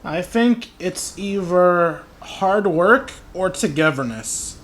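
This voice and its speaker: High-voiced man doing casual game commentary. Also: expressive, takes it slowly, fairly bright tone. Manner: self-deprecating, informal asides. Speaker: gaming YouTuber.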